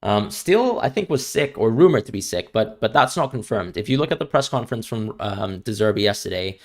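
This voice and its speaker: A man's voice: lowish voice, expressive, brisk. Young man with an international school accent. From Hong Kong. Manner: chatty, repeats words when starting sentences. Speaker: streamer. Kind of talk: live-stream Q&A chat.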